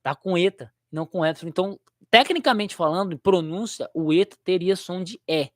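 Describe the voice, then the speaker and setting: A man's voice: high voice, a little fast, fairly bright tone, no echo. Slangy, rambling man on a dry mic. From Brazil. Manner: rambling and slangy, laughs easily. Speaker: theology teacher running a livestream. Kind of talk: casual livestream chat.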